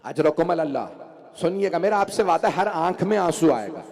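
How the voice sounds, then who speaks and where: A man's voice: high voice, animated, brisk, a little mellow. A male cleric reciting a mourning sermon, lamenting and rising into wailing cries. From India. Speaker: Shia cleric reciting a majlis. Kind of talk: emotional sermon narration.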